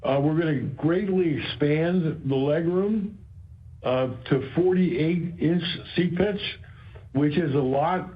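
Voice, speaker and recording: A man speaking as a company executive on an earnings call, explaining in a halting way and repeating phrases for emphasis. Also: fairly high pitch. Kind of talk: earnings call remarks, semi-prepared explanation. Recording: dull, band-limited conference call audio.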